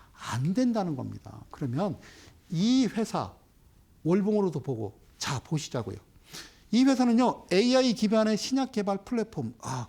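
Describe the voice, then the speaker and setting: A stock market commentator with a high, mellow voice gives investment commentary on a broadcast, scolding viewers with rhetorical questions.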